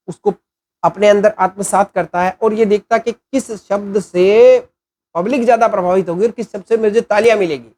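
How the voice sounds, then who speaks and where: A man hosting an informal spoken lesson, explaining deliberately and answering his own rhetorical questions. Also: sits high, a little mellow. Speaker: channel host explaining content writing.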